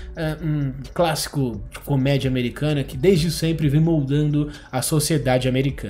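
A man talking at a moderate pace. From Brazil. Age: 30s. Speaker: YouTuber, pop culture reviewer. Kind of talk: casual video review. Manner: animated. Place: home room. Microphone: studio mic.

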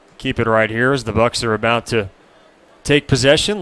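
Noticeable background noise under a man's fairly even intonation. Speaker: play-by-play announcer. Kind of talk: live sports commentary.

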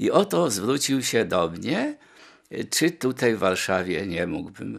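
A man talks at a very slow pace with vocal fry and very wide pitch swings. The background is quiet. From Poland. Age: 90s. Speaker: priest and theology professor; priest, professor recalling memories. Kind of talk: interview reminiscence. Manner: halting. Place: home room.

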